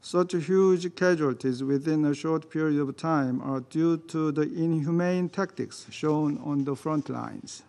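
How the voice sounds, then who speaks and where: A man whose first language is Korean, reading a formal prepared statement as a delegate to a security council, in a measured, deliberate way. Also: fairly high pitch, a little mellow. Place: council chamber.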